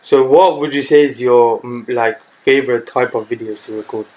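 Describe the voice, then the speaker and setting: A man's voice: medium pitch, steady tone, moderate pace, darkish tone, rough recording. A man, a podcast co-host asking short casual questions and giving frequent back-channel replies. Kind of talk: casual interview.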